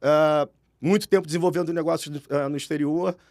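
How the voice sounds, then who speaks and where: A man from Rio de Janeiro speaking with a Carioca accent, an animated and talkative podcast guest. His voice sits fairly high and carries a gravelly rasp. The recording is close and dry. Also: fairly quick, dry recording. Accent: Carioca Brazilian Portuguese. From Rio de Janeiro, Brazil. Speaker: guest executive. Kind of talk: podcast interview.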